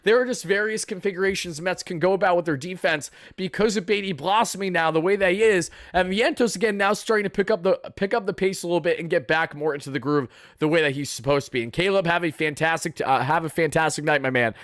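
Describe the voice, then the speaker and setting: A young man, hoarse from yelling, chatting through a baseball game recap for live viewers in a casual, boastful way. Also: high-pitched, fast talker, hardly any pauses, no room sound, clean studio sound. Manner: chatty, boastful fan banter. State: raspy from yelling. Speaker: sports fan channel host.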